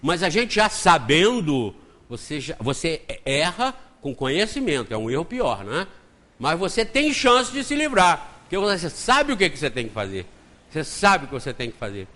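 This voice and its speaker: Animated Brazilian man giving a spiritist lecture. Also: a little high, moderate pace. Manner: conversational and joking, acts out dialogue. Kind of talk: spiritist lecture with homely anecdotes.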